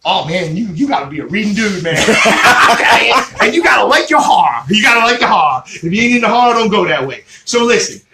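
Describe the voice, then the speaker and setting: A man with a very high, lively voice hypes up a joke sales pitch, shouting and bantering. The sound is roomy and echoey, with clear background noise throughout. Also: brisk, hardly any pauses, a crowd in the background. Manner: loud, boisterous, hyped, shouting. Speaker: mock shopping channel pitchman.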